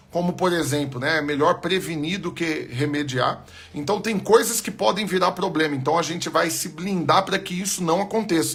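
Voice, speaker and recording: Music plays behind a man whose pitch is high and varies in an ordinary way. He speaks at a moderate pace. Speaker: pastor and business mentor. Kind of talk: live online business class with preaching. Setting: livestream. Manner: animated.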